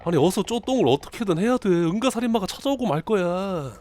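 A man's voice: sits high, expressive, quick pace, darkish tone, no echo, voice pushed up. A man reading the lines of a laid-back, shady male game character who keeps clogging the toilet. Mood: urgent.

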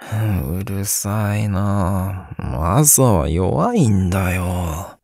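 A man playing a sleepy, grumpy but gentle young man in an audio drama, with a drowsy, gravelly, softly grumbling voice. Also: low voice, expressive, drawn-out words, dry recording, clean studio sound, exaggerated voice. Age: young adult. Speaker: voice actor. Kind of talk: Japanese audio drama acting.

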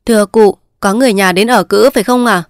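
A woman voicing a brisk old female midwife's helper who speaks politely and calls out loudly upstairs, in a dry recording. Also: medium pitch, dry recording, close to an everyday voice. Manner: polite, then calling loudly.

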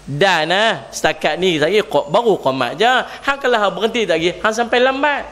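A man's voice: high-pitched, animated, normal speed, fairly bright tone. A man with a Northern Malaysian Malay accent voicing a sly male devil who coaxes someone in a wheedling, persuasive way. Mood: coaxing. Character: sly coaxing male devil tempting a driver.

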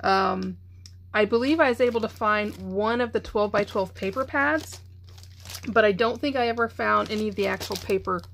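A woman's voice: mid-range voice, a little hiss or hum. A middle-aged woman, tired and chatty, gushing over craft supplies in a casual vlog. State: tired, yawning. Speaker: craft channel host. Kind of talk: casual show-and-tell vlog.

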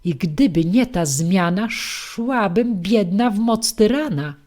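A woman reading a verse comedy aloud in a measured, even way. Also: medium pitch. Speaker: audiobook reader.

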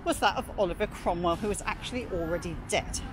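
This park tour guide talks quickly in a fairly low voice, keeping things chatty and casual while reading out history and prices. She records on a camera mic as she walks outside, and traffic and street noise come through.

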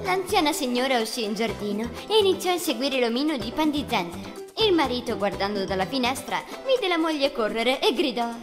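A woman narrating a cartoon fairy tale for children in an expressive, child-friendly way. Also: high-pitched, a little fast, hardly any pauses, music in the background. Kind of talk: scripted storybook narration.

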